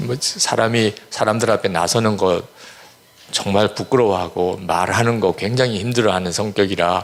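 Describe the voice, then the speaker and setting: There is noticeable background noise as a man talks at a moderate pace. He speaks with a strong Busan accent. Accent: thick Busan dialect. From Busan, South Korea. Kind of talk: conversational, reflective.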